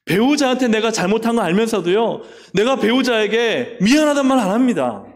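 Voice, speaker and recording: A man with a Busan accent preaching a sermon in a church. His voice sits somewhat high and moves in wide, animated swings as he questions his congregation. The sound carries a long echo from the sanctuary. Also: brisk. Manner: asks the congregation questions and acts out voices of Bible figures. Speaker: pastor. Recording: echoey church hall.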